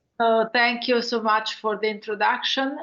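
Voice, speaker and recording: A woman speaks at a fairly high pitch with an Italian accent. Her intonation stays monotone and flat. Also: quiet background. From Italy. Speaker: physician, professor of gynecology. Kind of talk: lecture. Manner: halting.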